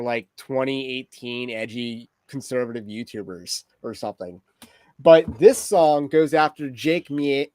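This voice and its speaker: A livestream host talks through topics in a casual stream, adding wry, rambling asides. His middle-pitched voice is smooth, and the sound is dry and close with no room around it.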